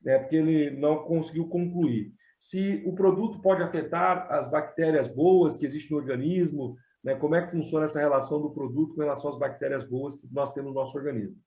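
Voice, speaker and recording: A man's voice: on the high side, brisk, few pauses, mellow, roomy sound. A man hosting a live Q&A, reading viewer questions aloud to his guests. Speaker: host. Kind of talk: live Q&A moderation.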